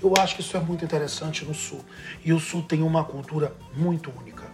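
A man with a Northeastern Brazilian accent talks in a casual chat, his voice pitched somewhat high for a man. He sounds thoughtful and keen, and now and then pauses mid-sentence to find the right word. Soft music plays faintly beneath him. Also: fairly even intonation. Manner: thoughtful, enthusiastic, trails off searching for words.

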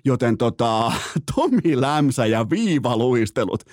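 A man's voice: medium pitch, sing-song, a little mellow, no room sound, clean studio sound. A man hosting a sports podcast, ranting in a theatrical, profane, mock-outraged way and stretching words out for emphasis. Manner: drawn-out emphatic phrasing. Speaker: podcast host. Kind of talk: comic sports rant.

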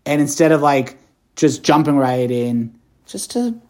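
A man's voice: mid-range voice, steady tone, measured pace, a little mellow. A man, a Catholic priest, preaching a meditation to students in an easygoing, conversational way, often checking in with "right?" and adding light self-deprecating humor.

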